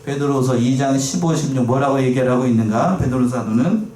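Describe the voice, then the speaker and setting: A man's voice: medium pitch, a little fast, dark tone, slight background noise. A man preaching a sermon as pastor, asking the congregation questions and reading scripture aloud. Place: church sanctuary. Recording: echoey church, mic at a distance.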